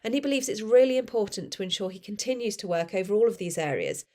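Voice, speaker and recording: A woman hosting a podcast who reads a guest introduction in a clear, measured way and then asks conversational questions. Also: medium pitch, lively intonation, darkish tone. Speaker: podcast host.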